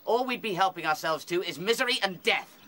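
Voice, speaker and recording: A man's voice: sits high, expressive, brisk, sharp tone, slight background noise. A British man playing a small, intense, insistent rabbit seer in a radio drama. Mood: grave, bitter.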